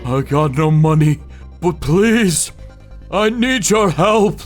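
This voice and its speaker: A man's voice: on the high side, lively intonation, slow pace, soft background music. A man playing a battered, grieving client in a manga dub, pleading desperately in a strained way.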